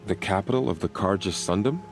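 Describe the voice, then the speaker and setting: Deep-voiced, solemn tribal warrior. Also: male voice, music in the background. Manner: measured, solemn, formal phrasing. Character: grave, guarded tribal warrior man on watch. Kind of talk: video game voice acting.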